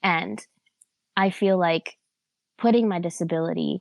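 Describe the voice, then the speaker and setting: The delivery has a moderate pace and fairly even intonation. The sound is dry and close, with no echo. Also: woman. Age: young. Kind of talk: interview answer.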